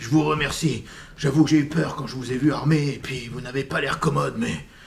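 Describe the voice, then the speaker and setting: Using a raspy put-on character voice at a medium pitch, a man talks at a fairly quick pace with fairly even intonation. His loudness swings widely, and background noise is clear. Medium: actual play. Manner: humble, deferential.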